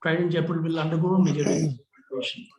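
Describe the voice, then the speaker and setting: Higher-pitched Indian man, roomy echo. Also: level tone, fast, a little mellow. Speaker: company finance executive. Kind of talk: answering analyst questions on an earnings call. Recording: roomy, echoing conference call.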